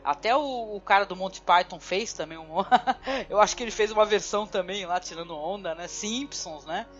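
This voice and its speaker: A Brazilian woman hosts a podcast in a loose, casual chat, leaning on tag words again and again. Her voice sits at a middle pitch. The sound is dull and lo-fi, with faint music underneath. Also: normal speed. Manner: chatty, fills with "né" constantly. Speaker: podcast host.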